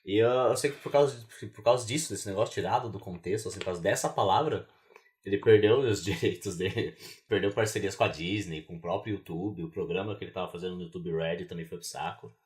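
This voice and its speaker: A man with a Brazilian Portuguese accent co-hosting a podcast, telling a story in quick, slangy casual chat. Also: sits low, darkish tone. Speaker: podcast co-host.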